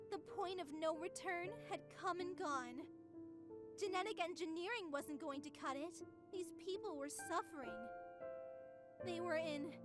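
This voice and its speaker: Very high-pitched, unhinged AI girl. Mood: anguished, brooding. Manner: theatrical, grandiose, swinging between sweet and menacing. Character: unhinged female AI superintelligence, childlike, theatrical, Halloween-obsessed. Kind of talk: scripted visual novel voice acting.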